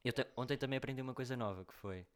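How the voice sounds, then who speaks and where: A man's voice: medium pitch, very fast, smooth. A man, co-hosting a casual chat in a slangy, joking, rambling way. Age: 20s. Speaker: podcast co-host.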